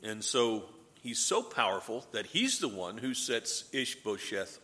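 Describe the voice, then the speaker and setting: A man's voice: fairly low pitch, big pitch swings, measured pace, pushed and bright, big-room sound. A man teaching a Bible class review. He asks the class questions, answers them himself, and adds light joking asides.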